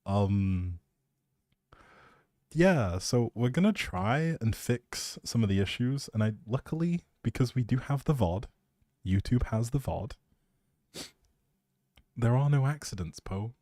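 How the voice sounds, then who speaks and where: A man's voice: fairly low pitch, animated, takes it slowly, long pauses, a little mellow, no echo, studio quality. A man hosting a gaming livestream, rambling casually in a giggly, flustered, scattered way.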